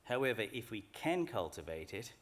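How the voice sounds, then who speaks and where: Measured man giving a ceremony address. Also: fairly low pitch, sing-song. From Australia. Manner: measured, earnest, reflective speech delivery. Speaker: graduation speaker. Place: large ceremony hall.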